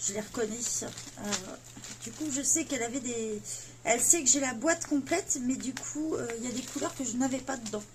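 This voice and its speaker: A woman's voice: a little high, a little fast, noisy background. A woman, chatting casually as she unboxes gifts, full of fillers and self-mocking asides. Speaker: coloring vlogger.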